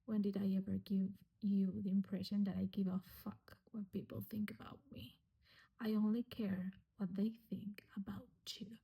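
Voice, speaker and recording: A woman's voice: flat delivery, moderate pace, gravelly, warm tone, husky, rough recording. A woman whispering the lines of an intense young man who guards his lover, reading them from a novel. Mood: defiant. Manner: whispered, low and intimate.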